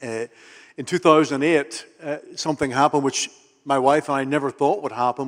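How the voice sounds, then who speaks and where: A man is talking with a fairly high pitch. His intonation stays fairly even. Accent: Northern Irish. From Northern Ireland, Belfast. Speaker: missionary leader. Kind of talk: sermon.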